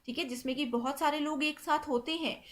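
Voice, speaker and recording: A young woman delivers an exam-prep lecture with a high, light voice. She works through the material in a steady explanatory tone, dropping in English terms and pausing on a quick "theek hai" as she moves between points. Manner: repeats "ठीक है" constantly, mixes English terms into Hindi.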